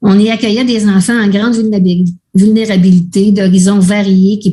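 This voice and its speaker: Flat, monotone intonation carries a somewhat breathy, dark and mellow voice with a Quebec accent. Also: woman. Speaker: childcare advocate, poverty advisory council member. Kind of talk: webinar panel presentation. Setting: online webinar. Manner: halting, with repetitions.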